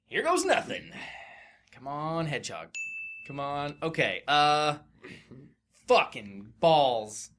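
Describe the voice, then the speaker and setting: A man co-hosts a casual game podcast at a very unhurried pace. His pitch swings widely as he hesitates and swears between clues. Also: sing-song, a bit bright, a little hiss or hum. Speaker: podcast host. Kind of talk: casual chat, playing a word-guessing game.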